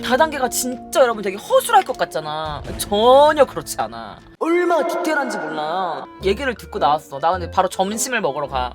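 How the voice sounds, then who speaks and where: Lively young woman telling a story. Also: medium pitch. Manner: animated, acts out quoted people. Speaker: vlogger. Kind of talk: casual storytelling.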